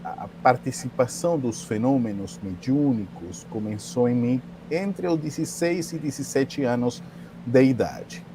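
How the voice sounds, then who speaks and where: A man from Peru in his forties, a native Spanish speaker with a Peruvian accent, giving an interview over a video call in a relaxed, somewhat hesitant way. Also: mid-range voice, a little slow, slight background noise, low-quality recording. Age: 40s. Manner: relaxed, hesitant, with filler sounds. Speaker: guest. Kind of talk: conversational interview.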